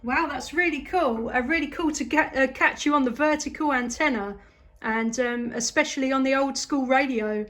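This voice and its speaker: High voiced woman w southern english accent, chatty cb radio operator doing casual contacts. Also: moderate pace, a bit bright. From southeast England.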